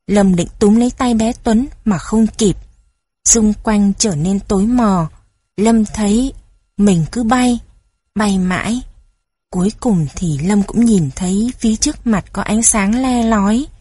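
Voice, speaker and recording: A woman reading children's stories aloud in a gentle, even storytelling manner. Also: mid-range voice, slightly rough, dry recording.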